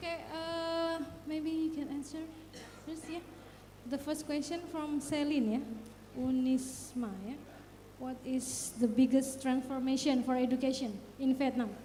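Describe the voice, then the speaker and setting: Amid audible room echo and noticeable background noise, a woman with a high pitch speaks at a fairly slow pace, with fairly even intonation and long, frequent pauses. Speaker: session moderator. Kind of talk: conference moderation.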